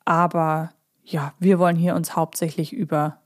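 A woman co-hosting a podcast, chatting casually as a fan and often pausing to search for her words. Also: low voice, little pitch movement. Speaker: podcast co-host.

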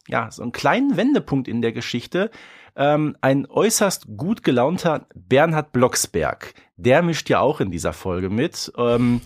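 A man with a mid-range voice co-hosts a podcast. He recaps in a casual, chatty way and often ends on a little tag question. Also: medium pitch. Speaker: podcast co-host.

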